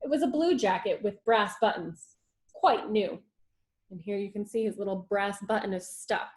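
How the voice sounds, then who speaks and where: A schoolteacher reads a children's storybook aloud to her class with expression, adding little asides about the pictures. She has a mid-range voice and a moderate pace.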